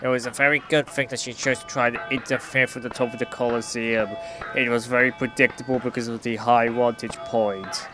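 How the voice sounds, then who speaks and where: A man playing a dry, unimpressed superhero in an audio play, matter-of-fact and deadpan. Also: medium pitch, fairly quick, music in the background, lightly acted. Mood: smug. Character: dry, unimpressed amateur superhero visitor from another universe.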